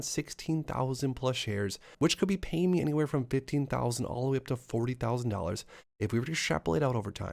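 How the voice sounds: A man talks at a fairly quick pace, medium in pitch, with ordinary pitch variation and vocal fry. The recording is very clean, with a silent background.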